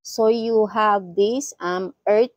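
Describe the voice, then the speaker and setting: A woman's voice: medium pitch, fairly even intonation, very slow, dry recording. A woman giving a casual tarot reading, chatty and advising, often ending phrases with little questioning tags. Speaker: tarot reader.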